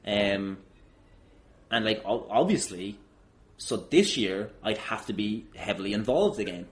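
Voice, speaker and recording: A man's voice: fairly low pitch, expressive, unhurried. A man hosting a wrestling podcast, arguing indignantly and comically with plenty of swearing. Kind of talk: improvised comedic argument on a podcast.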